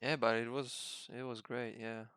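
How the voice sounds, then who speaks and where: A young man speaking English as a second language, chatting casually on a developer livestream through a headset, halting and searching for words. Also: mid-range voice, flat delivery, a bit bright, clear, resonant tone, no echo. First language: a Slavic language close to Czech. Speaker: game developer.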